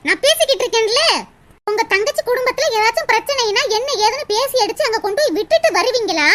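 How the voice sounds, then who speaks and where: A woman voicing a sharp-tongued young daughter-in-law in a cartoon drama, scolding and sarcastic. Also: very high voice, full character voice.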